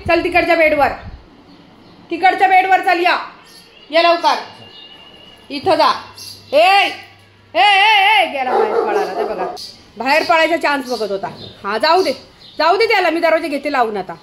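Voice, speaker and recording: A high-pitched woman, calling out and scolding her dog at home. Her voice rings around an echoey room, with faint noise in the background. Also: a bit bright. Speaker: pet vlogger. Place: home, indoors.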